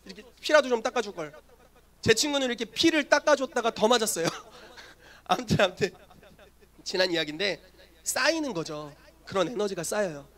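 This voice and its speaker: A pastor delivering a sermon in a high, bright voice. He tells stories with animation and keeps asking his listeners whether they understand. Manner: animated storytelling, asks the congregation questions.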